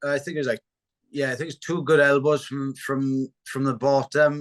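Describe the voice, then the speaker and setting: With a strong Welsh accent, a man talks at a fairly quick pace and medium pitch, recorded dry and close with no echo against a quiet background. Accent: thick Welsh. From Wales. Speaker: MMA fighter. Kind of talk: interview. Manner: halting.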